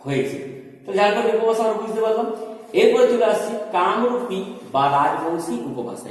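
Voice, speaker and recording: A man's voice: sits high, darkish tone. A man giving a lecture, explaining step by step and answering his own questions. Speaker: teacher. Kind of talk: recorded lecture. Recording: echoey room with long reverb.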